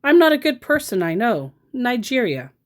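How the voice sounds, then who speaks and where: A woman's voice: fairly high pitch, big pitch swings, moderate pace, pitched above the performer's own voice. A woman mimicking a chirpy male scammer. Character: pushy adult male online scammer, overly friendly.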